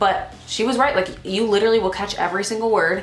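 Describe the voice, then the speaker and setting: A woman at a very fast pace, with audible room echo and noticeable background noise. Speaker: tattoo vlogger. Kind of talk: casual vlog talk.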